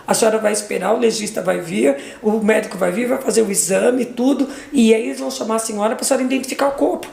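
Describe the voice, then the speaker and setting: A middle-aged woman giving an emotional testimony as a mother, retelling dialogue, repeating words, her voice leaping high at intense moments. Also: creaky, darkish tone, reverberant.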